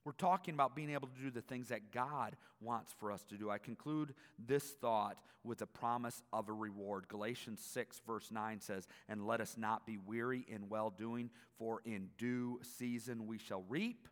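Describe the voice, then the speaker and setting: Guy in his 40s preaching a sermon, lowish voice, emphatic, big echoey church hall. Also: normal speed, few pauses. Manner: emphatic, swinging from quiet asides to loud exclamations. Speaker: guest preacher. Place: church auditorium. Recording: long echo of a large hall.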